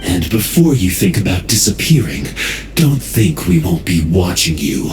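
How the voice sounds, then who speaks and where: A man's voice: sits low, sing-song, measured pace, darkish tone. A man voicing a scornful, bullying thug in a video game, mocking and taunting. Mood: mocking threat. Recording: roomy echo, faint music behind.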